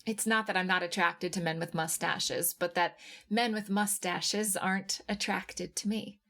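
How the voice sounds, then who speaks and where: Slow-paced woman reading literary fiction. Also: on the low side, steady tone, gravelly, pushed and bright. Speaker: short story reader. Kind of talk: literary audiobook narration in first person.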